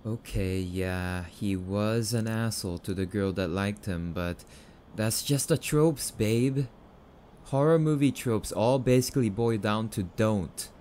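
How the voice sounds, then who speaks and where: Casting: male actor as sulky, skittish catboy boyfriend for ASMR roleplay, lowish voice, unhurried, noisy recording. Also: dark tone, lightly acted. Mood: teasing, reluctant. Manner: stammering, defensive, sulky. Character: grumpy, easily spooked, affectionate young catboy boyfriend.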